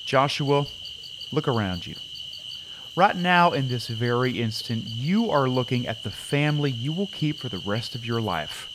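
A man's voice: mid-range voice, big pitch swings, a little slow, noisy background. An actor playing an earnest camp preacher, folksy and solemn as he addresses his flock in an audio drama. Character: earnest male camp preacher leading a baptism.

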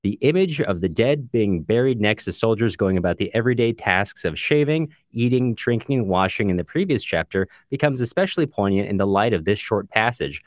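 Male podcast co-host, low register, conversational and chatty, recorded dry. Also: no echo. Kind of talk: casual book discussion podcast, reading listener comments.

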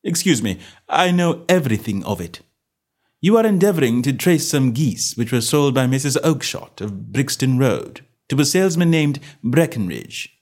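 A man voicing a calm, self-assured male detective with a bland, measured manner. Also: medium pitch, pitched above the performer's own voice.

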